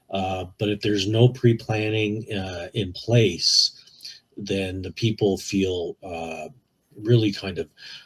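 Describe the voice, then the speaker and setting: A man speaks at a fairly low pitch in a somewhat breathy voice. His delivery is flat and monotone. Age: 60s. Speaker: funeral planner and social worker. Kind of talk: interview. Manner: halting, many fillers.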